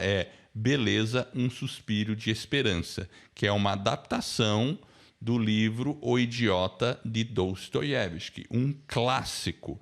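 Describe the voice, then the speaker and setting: A Brazilian man hosting an online lesson, giving a casual, conversational introduction and often checking in with short tag questions. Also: mid-range voice. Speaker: podcast course host and mentor.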